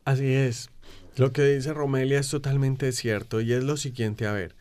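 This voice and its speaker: A man hosting a Catholic program, preaching with slow, emphatic build-ups and asking "right?" again and again. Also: medium pitch, level tone, a little mellow, smooth. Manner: emphatic, slow build-ups, frequent rhetorical "¿cierto?" tags. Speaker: Catholic radio program host. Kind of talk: preaching explanation of faith.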